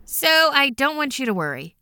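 An actress playing an upbeat housing caseworker who reassures a caller on the phone. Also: female voice, high voice, very animated, moderate pace, sharp tone, dry recording, full character voice. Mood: reassuring. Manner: cheerful, reassuring, businesslike.

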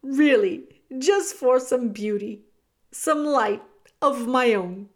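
Woman as miserable male rat, storybook character, plaintive, pleading, longing, slightly high voice. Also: slow. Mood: despairing.

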